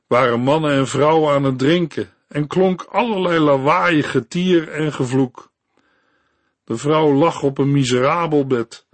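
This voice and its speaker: A man narrating a Christian story in a calm, measured reading voice. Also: mid-range voice, dry recording. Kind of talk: read-aloud Christian story.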